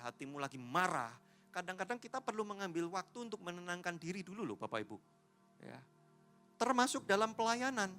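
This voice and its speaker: A man preaching a sermon in a church service, lively and joking, talking straight to the congregation and acting out the people he quotes. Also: a little high.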